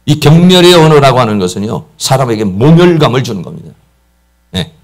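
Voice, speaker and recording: A middle-aged Korean pastor preaching a sermon emphatically, acting out quotes and piling up repeated words for stress. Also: male voice, medium pitch, sing-song, fairly quick. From South Korea. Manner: emphatic, acts out quoted speech, repeats "막" often.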